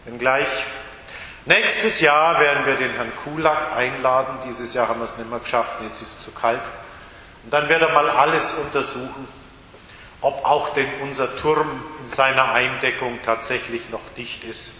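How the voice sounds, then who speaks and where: A male pastor giving a sermon, retelling a story in a slow storytelling manner, recorded in an echoey church hall. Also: mid-range voice, sharp tone, a little hiss or hum.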